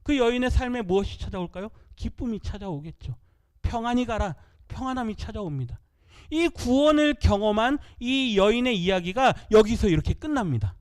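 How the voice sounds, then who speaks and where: High-voiced pastor preaching a sermon. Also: male voice, animated, a little fast, a little mellow. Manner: asks the congregation questions and answers them himself; reads scripture aloud with the congregation. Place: church.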